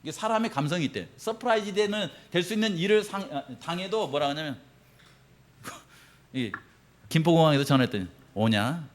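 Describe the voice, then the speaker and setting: A middle-aged man preaching a sermon as pastor, animated, acting out quoted reactions and laughing often. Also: fairly high pitch, a little fast, pauses often.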